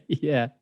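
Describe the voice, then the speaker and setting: A man with a German accent, an existential coach talking thoughtfully as an interview guest, laughing often and leaning on "you know.". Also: highs cut off. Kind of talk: reflective conversational interview.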